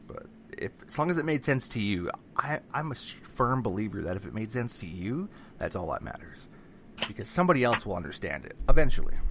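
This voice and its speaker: This man has a medium pitch and vocal fry, talks at a fairly quick pace, and makes very wide pitch swings and big swings in loudness. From Canada. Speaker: podcast host. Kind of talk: casual chat.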